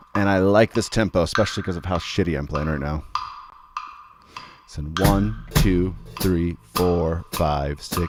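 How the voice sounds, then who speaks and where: Over music in the background, a man with a very deep, low pitch talks at a fairly slow pace, with long, frequent pauses and big swings in loudness. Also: ordinary pitch variation. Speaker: drum teacher. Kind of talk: live-streamed drum lesson. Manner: counting aloud in time.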